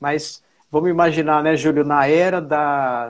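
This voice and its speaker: Speaking at a fairly slow pace, a man with a fairly high pitch has a normal speaking voice. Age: 50s. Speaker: dental professor. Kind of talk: expert interview. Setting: online live stream.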